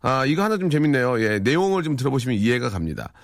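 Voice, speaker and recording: A man's voice: mid-range voice, sing-song, fast talker, no echo. A man hosting a radio show in a studio, chatting playfully and rambling through listener messages with many fillers. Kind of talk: casual radio chat reading listener texts.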